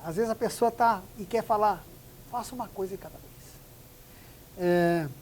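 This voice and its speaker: Emphatic woman, mellow voice. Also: medium pitch, moderate pace, slight background noise, poor audio. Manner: emphatic, acts out phone examples. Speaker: etiquette expert guest. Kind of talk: interview on business etiquette.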